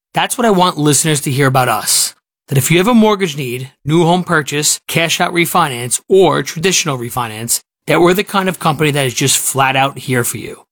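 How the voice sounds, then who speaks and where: A man with a slightly high voice reads a radio ad in a sincere, storytelling tone. The sound is dry and close, with no room around it. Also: fairly bright tone, no room sound. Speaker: mortgage company spokesman. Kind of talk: conversational radio ad read.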